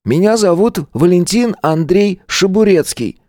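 Pert little boy, suspicious and self-important, put on by a male reader; high and piping. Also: animated, unhurried, a little mellow, no echo, clean studio sound. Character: small cheeky suspicious boy.

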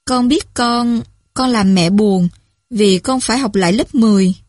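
A woman's voice: fairly high pitch, unhurried, darkish tone, dry recording, studio quality. A woman voicing a drunk, frightened teenage girl on the phone to her mother, slurring and stammering as she pleads. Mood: slurred, frightened.

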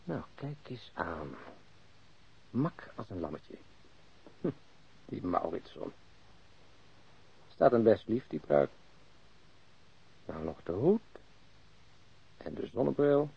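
Husky, chatty police detective. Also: male voice, on the low side, very animated, slow pace, long pauses, full character voice. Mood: amused, musing. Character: chatty, droll male police detective fond of food. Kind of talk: radio drama acting. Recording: dull radio drama recording.

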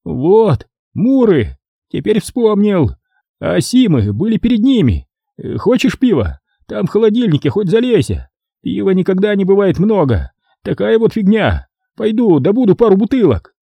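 A greasy, cowardly caretaker, as a male narrator puts him on, squealing high and thin in an audiobook. His pleading bursts jump all over the place, and the recording is dry with no room sound. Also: huge pitch swings, normal speed, gravelly, mellow, slightly rough, no room sound, dull audio, full character voice. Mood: cheerful. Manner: shrill panicky pleading. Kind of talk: audiobook character voice.

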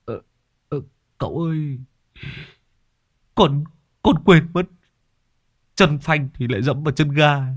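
A man's voice: fairly high pitch, slow pace, pauses often, voice pushed up. A man voicing a reckless, bumbling young servant. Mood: sheepish.

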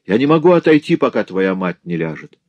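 Brief: male reader doing a worn-out jeweler, low voice, stern threats, dry close sound. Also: very animated, normal speed, a little mellow, no room sound, lo-fi sound. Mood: exasperated. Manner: exasperated, then stern and threatening. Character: weary poor male jeweler, harried father.

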